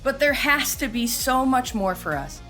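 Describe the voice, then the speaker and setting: A woman's voice: high-pitched, big pitch swings, moderate pace, fairly bright tone. A woman opening her faith podcast with a scripted, earnest and encouraging intro. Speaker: podcast host. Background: intro music.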